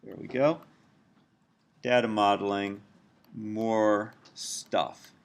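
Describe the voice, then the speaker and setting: A middle-aged man with a big, loud voice, giving a recorded university lecture while writing on a tablet, slow and deliberate. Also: fairly low pitch, fairly even intonation. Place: at a computer, screen recording.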